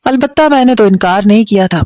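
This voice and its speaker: A woman's voice: mid-range voice, expressive, darkish tone, no room sound, clean studio sound, lightly acted. A woman with a Pakistani Urdu accent voicing a bitter, defiant young man who speaks in a cold, taunting way.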